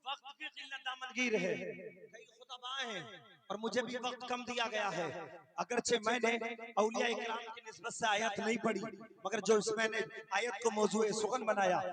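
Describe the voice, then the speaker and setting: A man giving a fiery religious speech to a gathering from a stage, repeating phrases and building up to shouting. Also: extremely high pitch, fairly even intonation, moderate pace. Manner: rhetorical repetition, builds to shouting. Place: large stage tent at a gathering. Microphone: stage microphone. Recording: echoey, distant, crowd noise.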